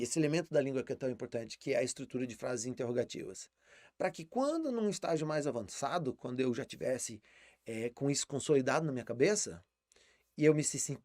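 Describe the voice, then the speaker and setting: A man with a Brazilian Portuguese accent leads a live online English lesson. His voice sits a little high, and he explains patiently, often repeating a word while he finds the next one. The recording is dry and close, with no room around it. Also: a little mellow, no echo. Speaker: English teacher.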